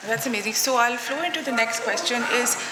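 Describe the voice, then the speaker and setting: A woman's voice: on the high side, a little fast. A woman moderating a live book panel, putting questions together hesitantly in short fragments, over an echoey, noisy PA. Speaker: moderator interviewing an author. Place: literary festival stage in a garden venue. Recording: echoey reverberant festival PA, noisy ambience.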